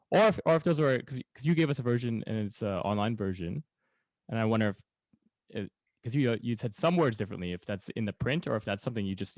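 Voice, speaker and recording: A man hosting a podcast in casual chat, with halting, rambling phrasing. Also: mid-range voice, a little mellow, no room sound. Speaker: podcast host.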